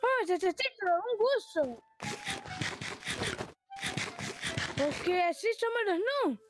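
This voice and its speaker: A woman's voice: extremely high pitch, very animated, a little slow, over music, full character voice. A woman voicing a naive, childlike drooling noob with a plaintive manner in an improvised Minecraft roleplay. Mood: friendly, curious.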